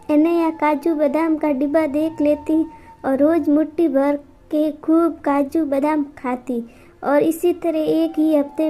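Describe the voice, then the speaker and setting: A woman storyteller calmly narrating a family moral tale. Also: sits high. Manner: calm, unhurried reading.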